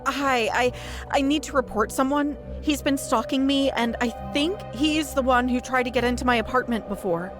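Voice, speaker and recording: A woman's voice: high-pitched, normal speed, over music, close to an everyday voice. A woman playing a frightened, guarded young woman in a horror game. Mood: anxious.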